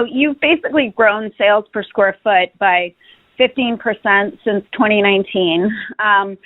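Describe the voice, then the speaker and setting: A woman's voice: medium pitch, no echo. A woman speaking as a financial analyst, putting several questions on an earnings call with hesitant, restarted phrasing. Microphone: phone. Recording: dry, tinny telephone line.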